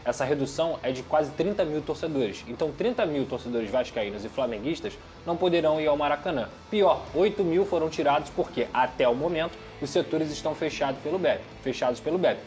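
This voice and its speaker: A man with a Brazilian Portuguese accent giving an animated, opinionated football analysis in a studio sports debate. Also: on the high side, fairly quick, few pauses, soft background music. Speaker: sports commentator.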